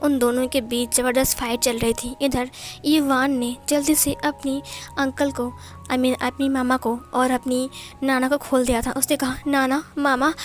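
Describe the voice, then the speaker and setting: A woman's voice: high-pitched, level tone, a little slow. A woman narrating a fan fiction story, reading all the dialogue in her own voice with little acting. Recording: faint background music.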